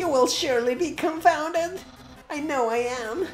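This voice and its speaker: In a put-on character voice, the speaker delivers loud, theatrical lines over clear music in the background. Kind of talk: exaggerated, dramatic. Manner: goofy, theatrical, loud.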